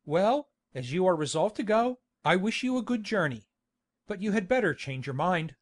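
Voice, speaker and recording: A man's voice: high-pitched, very animated, normal speed. A man playing a hearty, pushy country baronet in a dramatised classic novel, blustering and insistent.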